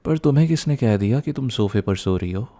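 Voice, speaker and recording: A man's voice: medium pitch, animated, a little fast, warm tone, close to an everyday voice. A young man playing a teasing, playful and cheekily bossy young husband who gets flustered, in a boyfriend ASMR roleplay, mixing in some English. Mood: smug, playful. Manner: teasing, repeats words, mixes in English.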